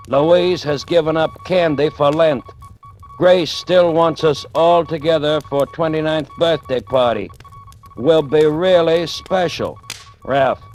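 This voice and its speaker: Telegram reader for a vintage radio drama, slightly high voice, clipped and flat. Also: male voice, takes it slowly, faint music behind. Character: male voice reading a ship telegram. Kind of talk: 1940s radio acting.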